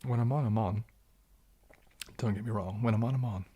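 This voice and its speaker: A man with a soft New Zealand accent that can pass for British, chatting to viewers on an ASMR livestream in a hushed, breathy, often half-whispered voice, polite and halting. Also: on the low side, slight background noise. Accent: New Zealand, soft, often taken for British. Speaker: ASMR YouTuber hosting a live stream. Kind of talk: ASMR livestream chat, reading and answering viewer comments.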